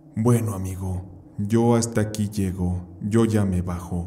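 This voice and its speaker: A man puts on a gruff character voice, pitched fairly low and delivered at a fairly slow pace. Clear background noise can be heard. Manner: casual, mocking.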